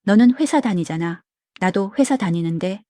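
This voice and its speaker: A woman's voice: medium pitch, expressive, normal speed, mellow, no room sound, clean studio sound, natural voice. A woman voicing an exhausted young wife who pleads and complains about her caregiving load, in a story read aloud. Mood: tired.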